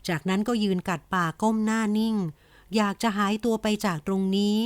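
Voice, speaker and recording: A woman narrating a romance audiobook in an even, gentle storytelling manner. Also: mid-range voice, a little fast, smooth, no room sound. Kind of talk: scripted romance novel narration.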